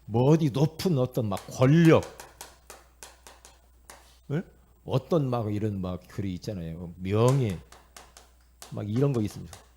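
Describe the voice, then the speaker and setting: A middle-aged man from Korea preaching a sermon as pastor, telling stories in an animated way, acting out voices and calling out to the congregation. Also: lowish voice, a little slow, pauses often, a little hiss or hum. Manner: animated storytelling, acting out inner voices and quotes; repetitive, calls out to the congregation.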